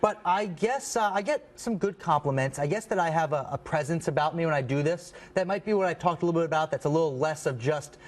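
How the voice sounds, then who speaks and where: A man's voice: on the high side, quick pace, few pauses. A man speaking as an athlete guest in a studio interview, answering casually in a modest, earnest way.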